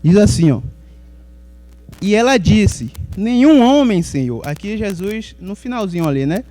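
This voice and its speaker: A man's voice: sits high, animated, measured pace, mellow, rough recording. A man from Salvador, Brazil, preaching a sermon in a conversational way and putting questions to the congregation.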